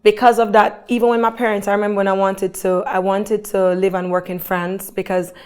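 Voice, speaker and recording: A woman's voice: mid-range voice, little pitch movement, a little fast, a little mellow, smooth. A woman being interviewed who tells her story in an earnest, faith-filled way. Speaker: guest. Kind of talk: conversational interview.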